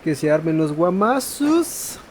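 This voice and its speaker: A man's voice: fairly high pitch, big pitch swings, a little slow, darkish tone, slight background noise. A man with a Mexican accent giving casual commentary as he plays a video game. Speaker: gamer narrating his playthrough. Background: game music.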